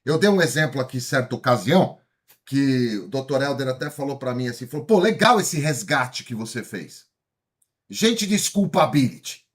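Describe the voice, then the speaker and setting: A man in his fifties from São Paulo with a paulistano accent, giving an energetic motivational lecture and asking his audience questions. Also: medium pitch, normal speed, breathy edge. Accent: Paulistano Brazilian Portuguese. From São Paulo, Brazil. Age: 50s. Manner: energetic, asks the audience questions, frequent tag questions. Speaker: speaker.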